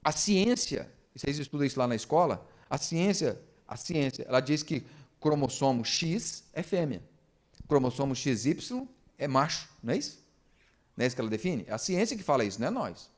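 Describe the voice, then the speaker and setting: A man's voice: medium pitch, sing-song, fairly quick. A man, preaching a sermon in church and asking the congregation rhetorical questions. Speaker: pastor. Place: church service.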